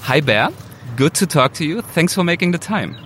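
A man's voice: on the high side, lively intonation, moderate pace, fairly bright tone, slight background noise. A man from Germany with a German accent, politely and casually interviewing a guest as podcast host.

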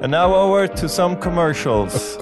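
A man's voice: high voice, expressive, over music. A man doing a stiff Latvian radio announcer. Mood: mock-formal. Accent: put-on Latvian English. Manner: slow, formal announcer delivery. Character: mock Latvian male radio presenter, stiff and formal.

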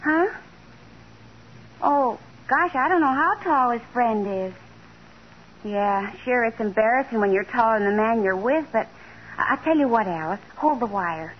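Muffled noisy vintage radio, shy young office girl, highish voice, hesitant, flustered. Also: lively intonation, a little slow. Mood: giddy. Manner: hesitant, girlish. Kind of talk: 1940s radio drama acting.

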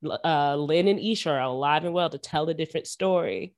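A young woman podcast host telling stories from her childhood in a casual, animated way, full of slang and fillers. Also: low voice, a little fast. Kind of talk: casual chat.

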